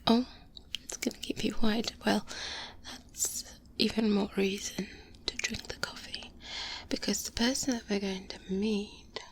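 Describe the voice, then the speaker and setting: Woman acting a seasoned vampire hunter mentor, whispery, unhurried, intimate, confident, wary, close-miked ASMR roleplay. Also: mid-range voice, steady tone, lightly acted. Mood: calm, briefing. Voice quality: soft, breathy whisper. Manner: slow, hesitant pauses, intimate. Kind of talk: soft-spoken ASMR roleplay. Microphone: close-up binaural microphone.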